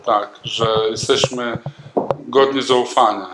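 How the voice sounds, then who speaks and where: A man's voice: medium pitch, steady tone, takes it slowly, heavy background noise. A man serving as pastor, leading prayer and talking informally at the close of a church seminar, calling people up by name. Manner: warm, informal, calls people forward by name. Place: church gathering.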